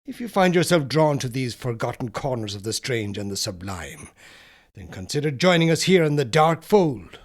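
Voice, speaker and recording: Very animated yet solemn and measured, a man with a medium-pitched voice narrates a scripted horror audiobook. He leans on dramatic pauses, and his phrases trail off at their ends.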